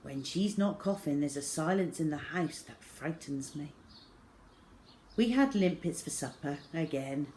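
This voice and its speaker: A woman reading a children's book aloud as an expressive storyteller, with measured, dramatic phrasing. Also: low voice. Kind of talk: expressive storytelling, scripted narration. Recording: clear background noise.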